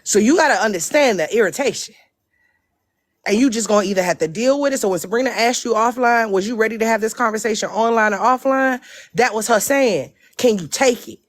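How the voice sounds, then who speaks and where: A woman's voice: on the high side, fairly quick, dry recording. Blunt, emphatic woman with African American English accent. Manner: blunt, emphatic, repeats phrases for stress. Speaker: panel speaker. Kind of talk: impassioned casual live discussion.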